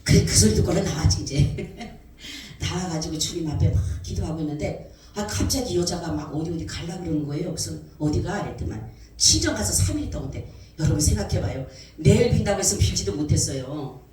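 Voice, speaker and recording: A woman's voice: sits low, fairly quick, slight background noise. Woman preaching in an echoey church. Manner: animated storytelling, acting out quoted voices. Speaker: pastor. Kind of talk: sermon testimony. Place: church sanctuary. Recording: echoey church hall mic from a distance.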